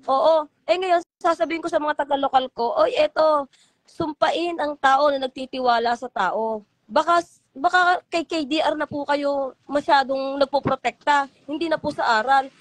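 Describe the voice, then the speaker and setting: This middle-aged woman has a high voice and speaks at normal speed. A guest and former church member on an emotional call-in interview, she talks in a rambling, heartfelt manner, voicing the things other people said to her.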